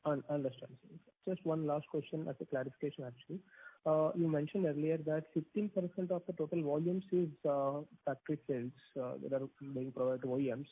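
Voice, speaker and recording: An analyst puts deferential questions on a conference call and fills his pauses often. His voice is husky and mid-pitched. The phone line sounds thin and narrow. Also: fairly even intonation. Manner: polite and deferential, with many fillers. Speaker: financial analyst asking questions.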